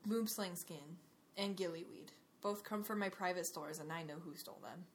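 A woman voicing a nasty, sneering male schoolteacher who belittles a pupil with quiet, contemptuous menace. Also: fairly low pitch, normal speed, slight background noise, pitched below the performer's own voice, close to an everyday voice. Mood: accusing.

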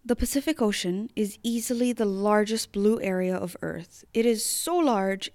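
A woman from the Mariana Islands hosting a podcast, reading a scripted introduction in an earnest, measured way. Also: mid-range voice, darkish tone, no room sound. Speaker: podcast host.

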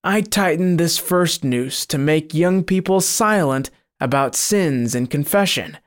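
A sly devil in the form of a huge cat, as a storyteller puts it on, answering in a higher, pinched tone. It whines and holds back, cowering under threat. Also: lively intonation, measured pace, natural voice.

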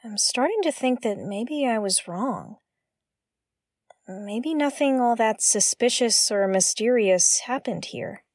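A woman's voice: fairly high pitch, animated, slow pace, darkish tone, no echo, clean studio sound. A woman playing a wary, wry investigator aboard a derelict spaceship in an audio drama, speaking hesitantly. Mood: musing. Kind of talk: naturalistic audio drama acting.

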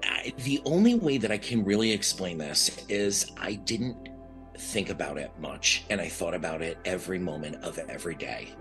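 Deep, bright-toned earnest man. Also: animated, moderate pace, soft background music. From New York. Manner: earnest, reflective, with restarts. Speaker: guest, blind advocate. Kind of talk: candid podcast interview.

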